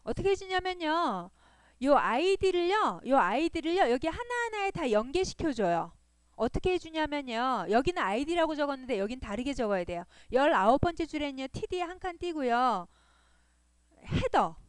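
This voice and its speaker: Woman, web design instructor, patient, repeats herself, high voice, dry close recording. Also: big pitch swings, moderate pace, dry recording. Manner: patient, repeats points and checks in with "그죠?". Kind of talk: screen-recorded coding tutorial.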